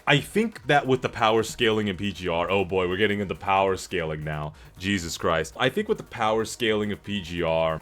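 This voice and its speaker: A man streaming casual reaction commentary to his audience, talking in an excitable, slangy way with plenty of swearing. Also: lowish voice. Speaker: streamer reacting to game cutscenes. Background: background music.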